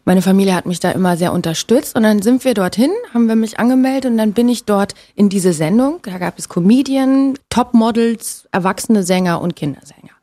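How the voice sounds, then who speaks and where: A woman's voice: mid-range voice, a little fast, few pauses, warm tone, no room sound. A German woman in her thirties talks as a guest on a radio show. She is open and chatty, with frequent fillers and easy laughs. Her voice is recorded close and dry. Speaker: guest singer and actress. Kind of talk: casual radio interview.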